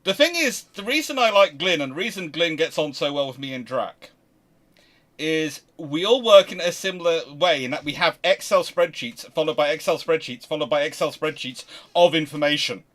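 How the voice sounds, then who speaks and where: A man hosts a casual livestream with a bright, forward voice. His pitch sits a bit high and moves around a lot. He talks effusively and tends to ramble. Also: lively intonation, normal speed. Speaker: host of a naval history livestream.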